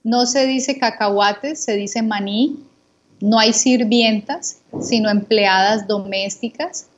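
A Colombian woman, a guest teacher, calmly contrasting words and giving examples for Spanish learners. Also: a little high, takes it slowly, muffled recording. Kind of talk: slow didactic conversation for learners.

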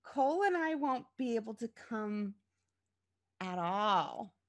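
A woman's voice: a little high, expressive, slow pace. A woman reading a storybook aloud, voicing a curt, work-obsessed businesswoman with a clipped, exasperated manner. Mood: reluctant.

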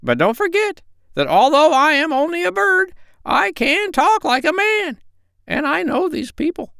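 Guy doing a tiny sly parrot lady, super high squawky voice, proud of herself, kids storybook. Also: big pitch swings, measured pace, vocal fry, pushed and bright, no echo, clean studio sound, heavily acted. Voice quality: shrill, squawky. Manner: boastful, cunning.

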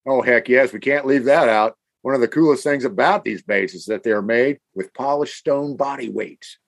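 A man's voice: medium pitch, moderate pace, gravelly. An enthusiastic man from the American Midwest, co-hosting a casual scripted chat. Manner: enthusiastic, animated. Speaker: podcast co-host.

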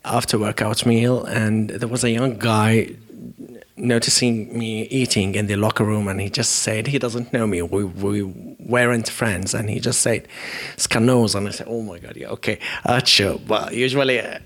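A man from Syria, a guest telling a personal story in a halting, friendly way. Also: on the low side, fairly even intonation, fairly bright tone.

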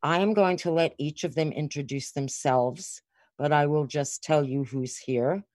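A woman's voice: low voice, a little slow, darkish tone, dry recording. A woman hosting a podcast, introducing guests with an enthusiastic, welcoming manner. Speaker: podcast host.

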